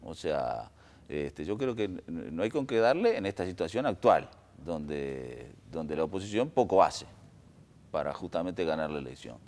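A Uruguayan man speaking as a political analyst on a panel, in a measured way with hesitant fillers. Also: rumbling low, sing-song, darkish tone. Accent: Uruguayan Spanish. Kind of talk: panel discussion.

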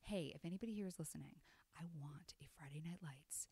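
A woman with a slightly low voice chats as a podcast guest. She is quick and jokey, and she pokes fun at herself. The recording sounds close and dry. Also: creaky, warm tone, breathy edge, dry recording. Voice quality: quick, jokey, self-mocking. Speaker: guest, film critic and show host. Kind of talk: casual podcast chat.

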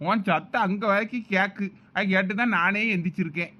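A man's voice: high-pitched, fairly quick, highs cut off. A man with a Thoothukudi Tamil accent playing an indulgent village father who soothes and spoils his daughter in a comedy skit.

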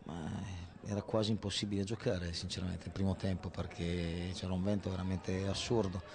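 A man in a post-match football interview, speaking hesitantly with many pauses and fillers. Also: deep voice, level tone, gravelly, a crowd in the background.

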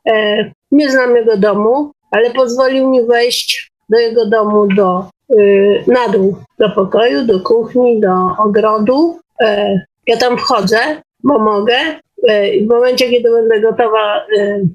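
A woman's voice: a little high, fairly even intonation, measured pace, highs cut off. Plain-spoken woman telling personal stories. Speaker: participant in an online meeting. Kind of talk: casual personal anecdote. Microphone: online call microphone.

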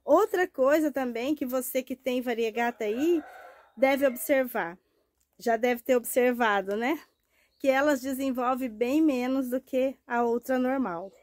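A woman in her fifties from Brazil, slightly hoarse from a cold, talks into a clip-on mic in a shaded plant nursery. Her voice sits high for a woman. She chats in an affectionate, informal way, with plenty of tag questions and diminutives. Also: unhurried, no echo. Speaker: succulent grower. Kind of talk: casual plant-care vlog. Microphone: wired lapel mic.

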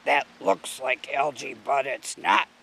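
A man's voice: medium pitch, takes it slowly, creaky, bright, forceful tone, slight background noise, voice pushed down, exaggerated voice. A man voicing a grumbly, knowledgeable male river mussel in a children's storybook, explaining things emphatically.

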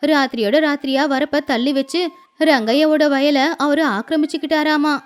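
Woman acting a high-pitched, gossiping village woman. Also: fairly even intonation, moderate pace, natural voice. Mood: scandalised. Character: gossiping, meddling village woman spreading rumours. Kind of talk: acted moral-story dialogue.

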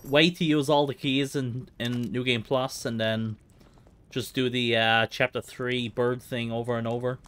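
Bright-voiced man streaming a game. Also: medium pitch, little pitch movement, unhurried. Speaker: video game live streamer. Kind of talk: casual gaming livestream commentary. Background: horror game sound.

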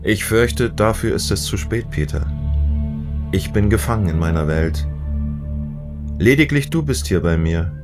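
Male actor as old patriarch, low voice, very varied intonation, weary, grave, stubborn, radio play, faint music. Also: animated, unhurried, pauses often. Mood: resigned, pleading. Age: older. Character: stubborn, regretful old father, a company patriarch. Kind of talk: German audio drama acting.

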